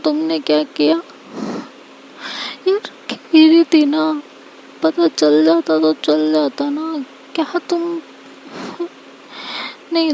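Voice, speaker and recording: A woman voicing Anika, an anxious young woman who pleads with and scolds her girlfriend, in a higher, emotional voice. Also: creaky, warm tone, slight background noise, heavily acted.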